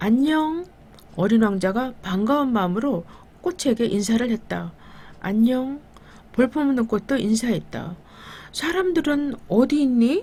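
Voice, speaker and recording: This woman talks at a very slow pace with long, frequent pauses and very even loudness. Her high pitch carries lively intonation. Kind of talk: audiobook reading, bedtime story.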